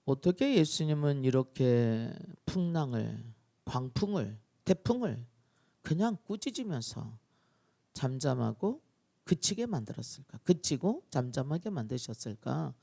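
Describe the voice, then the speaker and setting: A male pastor preaching a dawn-prayer sermon, telling the story in an animated way and acting out scenes. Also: mid-range voice, unhurried, creaky.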